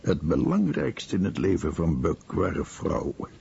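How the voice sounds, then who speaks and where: Very deep, gravelly veteran. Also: male voice, sing-song, a little slow, dark tone, exaggerated voice. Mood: reminiscing. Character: male veteran recalling a womanising friend. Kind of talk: radio play voice-over translation. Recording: dull, faintly noisy recording.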